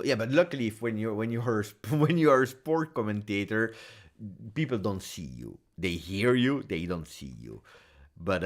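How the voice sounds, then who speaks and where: Deep, animated man hosting football talk. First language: French. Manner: animated, passionate, frequent fillers. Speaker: football video host. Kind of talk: casual football recap chat.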